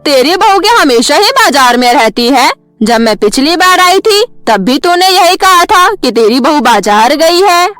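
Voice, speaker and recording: Brief: woman voicing a gossipy older cartoon neighbor, high and loud, over faint music. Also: very animated, measured pace, few pauses, no echo, heavily acted. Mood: prying.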